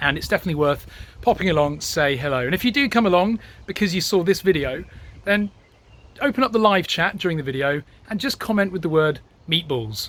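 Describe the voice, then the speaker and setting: Speaking at a very fast pace with an English accent, a man with a high pitch makes very wide pitch swings and takes long, frequent pauses. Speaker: drone video youtuber. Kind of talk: casual promo announcement. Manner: casual, chatty.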